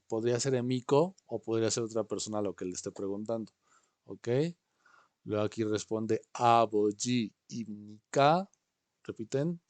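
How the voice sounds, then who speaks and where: A man's voice: lowish voice, darkish tone, no echo. A man teaching an online class, patiently explaining and often checking in with his students. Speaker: language teacher. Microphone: video call.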